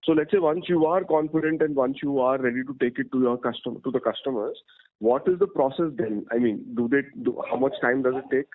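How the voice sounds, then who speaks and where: A male analyst with a medium-pitched voice, heard over a dry, narrow phone connection. He puts his questions in a deferential, halting way. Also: dry recording. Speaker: investment analyst asking questions. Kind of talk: unscripted questions on an earnings call. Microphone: telephone.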